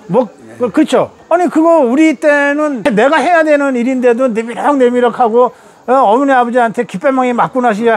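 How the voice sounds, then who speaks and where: A man in his sixties with a high voice for a man speaks as a political commentator. He lectures emphatically, poses rhetorical questions and drops into colloquial, everyday asides.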